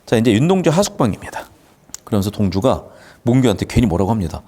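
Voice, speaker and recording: A man's voice: fairly low pitch, fast. A man teaching a literature lesson, casually explaining a screenplay and playfully acting out the characters' lines. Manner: lively, jokey, acts out characters' lines. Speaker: Korean literature tutor. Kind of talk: classroom lecture explaining a screenplay.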